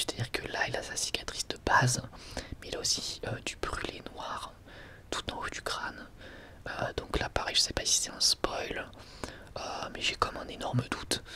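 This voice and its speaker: A man whispering informally and a little hesitantly to his viewers as an ASMR host, in a breathy, unvoiced whisper. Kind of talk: whispered ASMR, casual product review.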